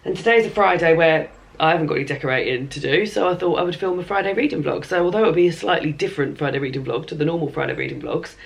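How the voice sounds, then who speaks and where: A hoarse woman with a chesty cough, chatting casually to camera in a rambling reading vlog from her bed at home, with plenty of ums and throat clearing. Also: deep voice, fast. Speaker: book vlogger.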